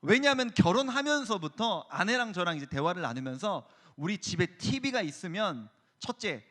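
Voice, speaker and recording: A man in his thirties, a youth pastor giving a lively sermon to high school students and acting out story voices as he tells them. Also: normal speed. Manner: animated storyteller, acts out voices.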